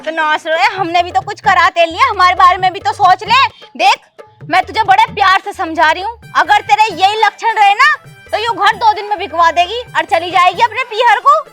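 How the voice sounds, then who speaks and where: A woman's voice: extremely high pitch, normal speed. A woman playing a bossy, scolding old village mother-in-law, nagging and threatening in a rustic comedy skit. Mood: lecturing. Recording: loud background music.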